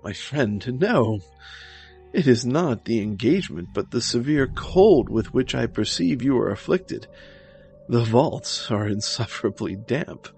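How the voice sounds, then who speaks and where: A man performs a scheming nobleman from a gothic story. He is all false courtesy and flattery, goading through polite reluctance. The delivery is measured, with some gravel, over soft music. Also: mid-range voice. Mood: slyly reluctant. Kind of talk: dramatic gothic story reading.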